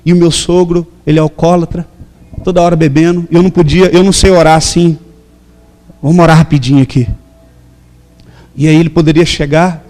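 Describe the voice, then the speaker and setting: A man's voice: a little high, level tone, a little fast, long pauses, a little mellow, in a large hall, soft background music. A man in his thirties with a Brazilian accent, a pastor preaching a sermon and telling a story with emphatic quoted dialogue. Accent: Brazilian Portuguese.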